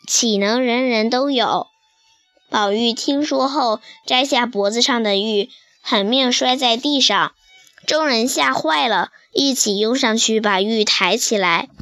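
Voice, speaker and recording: A woman narrating a classic tale for children, with a measured, patient storybook delivery. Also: on the high side, fairly bright tone, no echo, clean studio sound.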